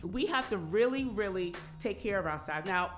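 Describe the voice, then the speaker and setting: A woman's voice: medium pitch, animated, normal speed, faint music behind. Chatty woman in her forties on radio. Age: 40s. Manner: chatty, laughs easily, many fillers. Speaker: radio host. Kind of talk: casual radio talk. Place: radio studio. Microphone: studio microphone.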